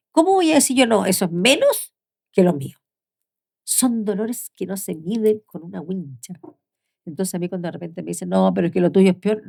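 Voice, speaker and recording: An older woman speaks as an interview guest. She tells heartfelt family stories with a slightly gravelly edge. Her voice often sinks to a soft hush before rising again. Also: medium pitch. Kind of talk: conversational interview.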